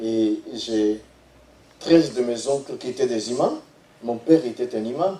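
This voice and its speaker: A man speaks at a medium pitch. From Ivory Coast. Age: 60s. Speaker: pastor. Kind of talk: lecture. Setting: seminar with audience.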